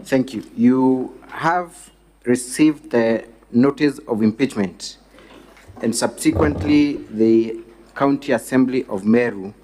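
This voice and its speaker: A man with a Kenyan accent questioning a witness as counsel, formal, courteous and deliberate, phrase by phrase. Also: medium pitch, a little mellow. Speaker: defence lawyer questioning a witness. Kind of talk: formal legal examination.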